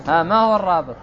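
A man's voice: high voice, fairly bright tone, dull audio. A man teaching a classical Arabic grammar lesson, explaining step by step and checking often whether his students follow.

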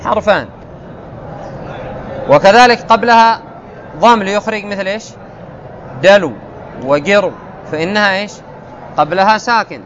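High-voiced male teacher quizzing students. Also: a bit bright. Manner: reads text slowly, quizzes students. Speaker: grammar teacher. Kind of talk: classical text lesson. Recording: muffled, noisy with outdoor traffic.

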